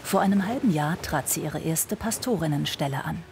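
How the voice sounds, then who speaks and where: A woman narrating a documentary in a calm, measured, scripted way. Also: sits low, gravelly, slight background noise.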